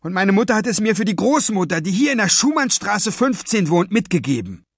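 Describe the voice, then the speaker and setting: A man reading aloud and voicing an honest, angry young boy who shouts and nearly cries, high and strained. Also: sing-song, fairly quick, no echo, clean studio sound, full character voice. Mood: insistent. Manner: shouting, near tears, high-pitched. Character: furious honest young boy, shrill and insistent.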